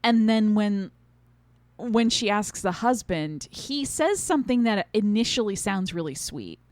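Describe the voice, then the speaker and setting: A woman with a mid-pitched voice talks casually as a podcast co-host. She retells scenes conversationally, slipping into quotes as she goes. The recording is close and dry, with no room sound. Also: big pitch swings, unhurried, a little mellow, dry recording.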